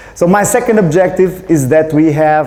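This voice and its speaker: Over noticeable background noise and audible room echo, a man with a non-native accent speaks at a fairly high pitch with ordinary pitch variation. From Portugal, Porto. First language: Portuguese. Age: 40s. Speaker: communication coach and speaker. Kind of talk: conference talk. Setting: stage with audience. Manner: animated, joking.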